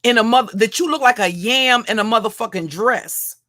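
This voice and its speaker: Woman streamer, deep heavy voice, taunting and crude, loops back over her own lines. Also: brisk, sharp tone. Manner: mocking, insulting, repeats and restarts phrases. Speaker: livestream commentator. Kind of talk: profane roast rant.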